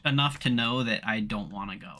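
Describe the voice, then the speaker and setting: A man's voice: fairly low pitch, a little fast, sharp tone, slight background noise. A man chatting casually and offhandedly with wry remarks while playing a game. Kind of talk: casual chat while gaming.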